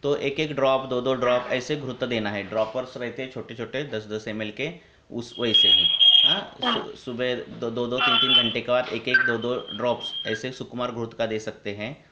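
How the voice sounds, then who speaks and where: A man acting as an Ayurvedic doctor, explaining answers in a measured way with frequent hesitations over an echoey online call. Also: medium pitch, steady tone, heavy background noise. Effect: echoey call audio.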